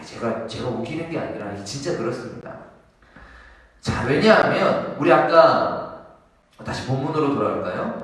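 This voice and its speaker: A male pastor preaching a sermon in a church, animatedly asking and answering his own questions. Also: fairly high pitch. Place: church sanctuary. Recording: echoey hall, mic far off.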